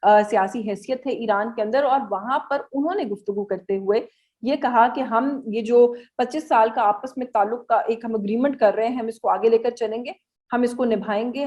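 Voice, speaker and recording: A Pakistani-accented woman speaks as a journalist analysing the news for viewers. Her voice sits fairly high. She explains step by step, pausing and hesitating as she goes, and drops English terms into her sentences. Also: darkish tone. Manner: hesitant, halting explanatory delivery with English words mixed in.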